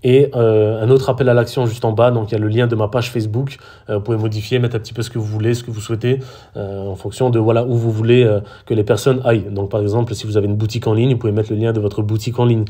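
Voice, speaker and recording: A man's voice: lowish voice, level tone, fast talker, mellow. A man from France, giving a casual social media tutorial with lots of fillers and restarts. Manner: hesitant, many fillers and restarts. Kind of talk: casual screen-recorded tutorial.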